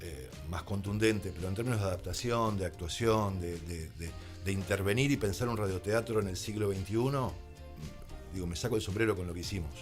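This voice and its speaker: A man with an Argentine accent and a low-pitched voice talks as a guest in a radio studio. He explains his ideas in an articulate, deliberate way, with faint music underneath. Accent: Argentine Spanish. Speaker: radio guest, radio drama creator. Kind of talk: reflective radio interview conversation.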